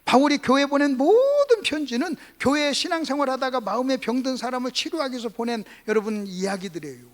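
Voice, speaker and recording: A male revival preacher with a notably high voice addresses his congregation. He teaches by repeating key phrases and putting rhetorical questions to his listeners, with firm emphasis. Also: animated, a little fast. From Gunsan, North Jeolla, South Korea. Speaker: pastor, visiting revival preacher. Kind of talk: Sunday revival sermon with call-and-response to congregation. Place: church service.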